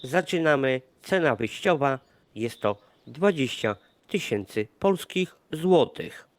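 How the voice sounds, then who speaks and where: A man voicing a formal male land auctioneer who announces bids slowly and politely. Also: medium pitch, expressive, no room sound.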